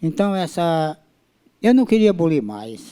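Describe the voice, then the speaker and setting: A man speaks in a high, dark, mellow voice. His pace is fairly slow and his pitch swings very widely. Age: 70s. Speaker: folk tradition master. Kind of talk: oral storytelling at a seminar panel.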